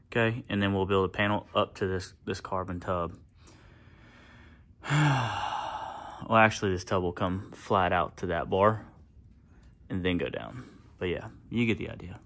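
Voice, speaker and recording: Easygoing shop guy, lower voice, chatty and unpolished, explaining his build. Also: unhurried, pauses often. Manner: relaxed, rambling, with many fillers. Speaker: fabricator and channel host. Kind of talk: casual shop vlog. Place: garage workshop.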